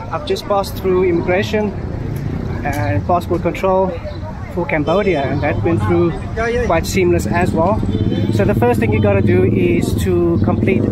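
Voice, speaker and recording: Loud background noise fills the clip as a man talks with long, frequent pauses. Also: moderate pace, dry sound with no echo. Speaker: travel vlogger. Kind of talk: casual vlog chat. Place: street. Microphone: phone near.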